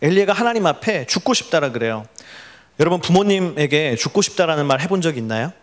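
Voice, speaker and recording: A young adult male pastor preaches to college students, telling stories with animation and leading the congregation in repeating words after him. His voice is fairly high and his pace quick.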